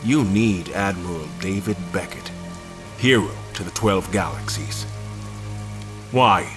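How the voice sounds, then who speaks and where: An actor playing a weary, defiant space admiral held prisoner, intense and suspicious, narrating and speaking in an audio drama. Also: male voice, low-pitched, lively intonation, slow, music in the background. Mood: accusing. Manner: intense, accusatory. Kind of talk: audio drama first-person narration and dialogue.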